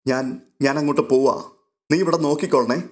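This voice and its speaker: A man voicing an anxious, tearful young woman in an audio story, pleading softly. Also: medium pitch, fast talker, close to an everyday voice. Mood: worried.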